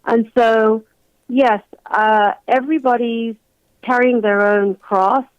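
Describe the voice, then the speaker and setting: A woman from London with an English accent, a doctor giving measured, reflective explanations as a remote radio interview guest. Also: fairly high pitch, fairly even intonation, smooth, no room sound. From London, England. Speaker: guest family physician. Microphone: remote call-in line. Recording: dull, lo-fi phone-in line.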